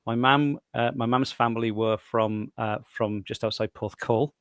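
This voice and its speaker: South London man in his sixties, halting. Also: medium pitch, steady tone, no room sound, clean studio sound. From South London, England. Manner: halting, repeats words as he explains. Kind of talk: conversational interview answers.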